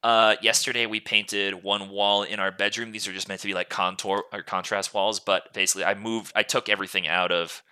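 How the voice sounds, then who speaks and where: Low-voiced, very bright, rambling young man. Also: little pitch movement, a little fast, hardly any pauses, clean tone. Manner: rambling, frequently self-interrupting. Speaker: podcast host. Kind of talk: casual chat.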